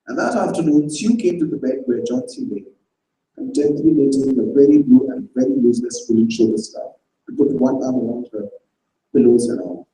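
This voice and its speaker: Brief: expressive male narrator, very dark mellow tone, echoey hall. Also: medium pitch, moderate pace. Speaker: stage reader. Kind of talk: dramatized story reading. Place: stage at arts festival.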